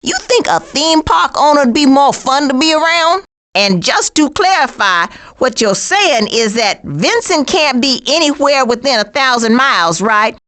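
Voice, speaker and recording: A woman with an American accent voicing a cranky, dry-witted female skunk in an animated video game, with a sassy, sardonic and folksy manner. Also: high-pitched, measured pace.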